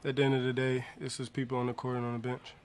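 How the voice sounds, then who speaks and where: A young man, a college basketball player, answering postgame press questions softly and with many hesitant pauses, at a table mic in a press room. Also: medium pitch, monotone, noisy background. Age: young adult. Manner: soft-spoken, many hesitant ums. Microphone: table mic on stand.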